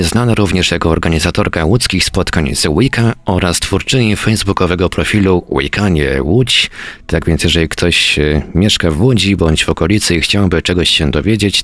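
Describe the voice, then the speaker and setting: A man's voice: low-pitched, a bit bright, no room sound. A man presenting the close of a radio talk show as its host.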